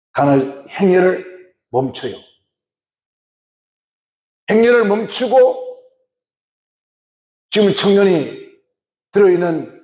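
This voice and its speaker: A man with a fairly high, somewhat mellow voice preaches in church as the pastor, often asking the congregation questions, and the hall gives the recording a noticeable echo.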